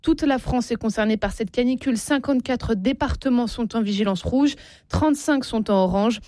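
A woman's voice: fairly high pitch, no echo, studio quality. Woman reading a radio news bulletin. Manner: steady, measured delivery. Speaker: newsreader. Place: radio studio.

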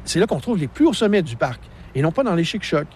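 A man's voice: on the high side, big pitch swings, fast talker, a little mellow, husky. Man in his sixties explaining nature. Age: 60s. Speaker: park naturalist guide. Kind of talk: outdoor radio interview.

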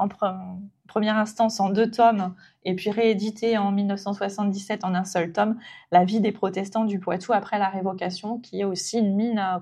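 A woman's voice: medium pitch, a little mellow. A woman giving a spontaneous public talk for a heritage centre, hesitant, with many fillers and restarts.

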